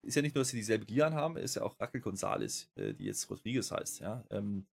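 A man's voice: on the low side, quick pace, vocal fry, breathy edge. A man co-hosting a wrestling review podcast, chatting casually, often working himself into a rant with many fillers. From Germany. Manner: animated, ranting with many fillers. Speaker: podcast co-host. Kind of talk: casual chat.

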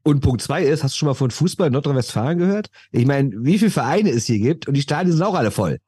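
A man's voice: mid-range voice, expressive, quick pace, dark tone, husky, dry recording, studio quality. A man from Düsseldorf, arguing his point in a casual sports podcast chat and tagging his sentences with "ne?". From Düsseldorf, Germany. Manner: argumentative, keeps adding tag question "ne?".

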